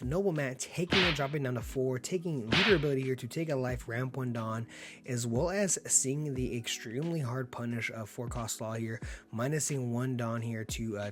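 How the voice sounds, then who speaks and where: Still recovering from an illness, a man with a slightly hoarse, mid-range voice gives upbeat, laid-back play-by-play of a card game, laughing frequently.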